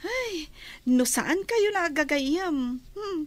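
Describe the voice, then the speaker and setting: A woman's voice: high-pitched, lively intonation, very slow, no room sound, heavily acted. A young woman with an Ilocano accent, playing an anxious, earnest girl who cooks for her friends, in a radio drama.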